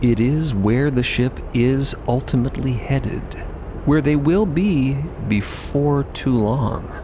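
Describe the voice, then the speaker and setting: A man reading scripted story narration, with clear ambient noise running behind his voice. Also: mid-range voice, slow.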